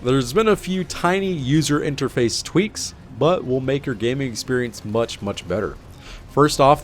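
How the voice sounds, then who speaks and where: A man's voice: medium pitch, a little hiss or hum. A man hosting a gaming video, reading scripted update narration in an informal presenter style. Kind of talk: scripted patch-notes narration.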